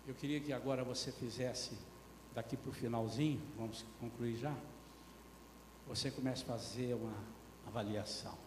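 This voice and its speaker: A man preaching a sermon with passion, firing rhetorical questions and swinging between loud and soft. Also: mid-range voice, fairly even intonation, moderate pace. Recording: echoey church hall with faint noise.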